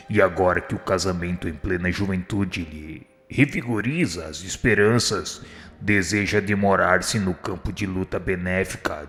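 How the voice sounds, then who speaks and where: A man plays a humble, courageous spirit instructor in a radio drama. His low voice pleads gently and formally, with serene firmness. It carries a long hall reverb over faint music.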